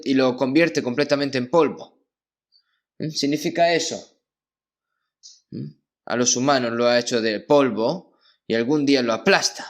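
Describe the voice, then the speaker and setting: A man of medium pitch preaches in a church, reading out verses and stopping to explain them. His delivery is measured and unhurried, and he keeps checking in with his listeners through short questioning tags. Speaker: pastor. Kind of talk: sermon.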